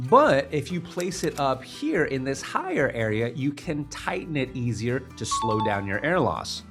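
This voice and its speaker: A man's voice: mid-range voice, big pitch swings, measured pace, hardly any pauses, music in the background. A man giving an instructional tutorial as a vocal coach, explaining emphatically step by step.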